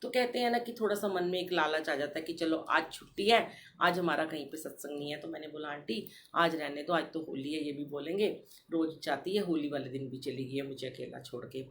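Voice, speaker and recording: A middle-aged woman hosting a devotional podcast, telling a personal story in an animated way and addressing the listeners directly. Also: deep voice, a little fast, a little hiss or hum. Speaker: satsang podcast host.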